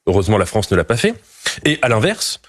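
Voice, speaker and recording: Homme chroniqueur, voix un peu voilée. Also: male voice, fairly low pitch, big pitch swings, fast talker. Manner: argumentative, hesitant fillers. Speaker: panelist. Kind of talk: TV debate.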